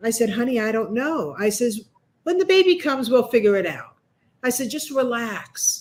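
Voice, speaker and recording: A woman is speaking. Her intonation is lively. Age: 60s. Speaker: inventor and cancer survivor. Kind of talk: interview chat. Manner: animated.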